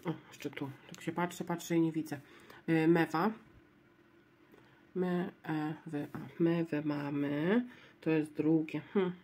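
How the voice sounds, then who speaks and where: Casting: woman vlogger, low voice, unhurried, murmurs letters aloud while checking scratch cards. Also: fairly even intonation, warm tone, a little hiss or hum. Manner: spells out letters one by one, low-key and murmuring. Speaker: lottery scratch-card vlogger.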